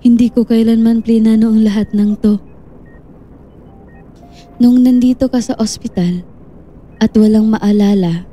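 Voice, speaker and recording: Woman acting a soft, dark-voiced gentle confidante. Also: mid-range voice, lightly acted. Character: gentle, guilt-ridden woman confronting a man with memory loss. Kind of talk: Filipino audio drama acting.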